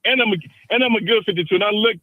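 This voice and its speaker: A man's voice: high-pitched, racing, sharp tone, a little hiss or hum. A man in his fifties calling into a live show, arguing insistently and repeating the same points again and again. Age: 50s. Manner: insistent, repeats himself over and over. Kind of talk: heated call-in debate.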